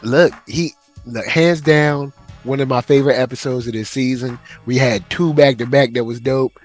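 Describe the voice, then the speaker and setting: A man co-hosting a podcast, telling stories in lively slang and laughing often. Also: mid-range voice, moderate pace, faint music behind. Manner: animated, laughing, slangy storytelling. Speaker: podcast co-host. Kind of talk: casual chat.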